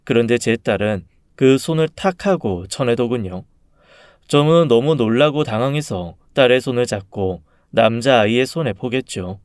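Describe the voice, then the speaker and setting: A man reading a first-person story aloud in a calm, subdued, even manner. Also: medium pitch, moderate pace, no echo, studio quality. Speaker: story reader.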